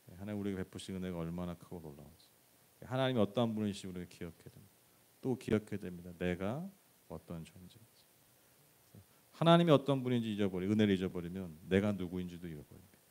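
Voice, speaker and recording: A man with a very deep, low voice talks at a very fast pace, with ordinary pitch variation. His loudness swings widely, and he takes long, frequent pauses. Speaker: pastor. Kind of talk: sermon. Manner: speeds up near the end.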